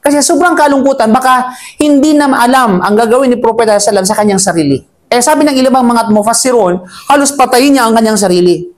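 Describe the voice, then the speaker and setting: Woman religious teacher, raised voice, quick verse chanting, animated explaining, jokes with the group. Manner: lively, chatty teaching voice that swings up high for emphasis; laughs and jokes with listeners. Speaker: Islamic teacher. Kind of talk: Quran commentary lesson to a live group.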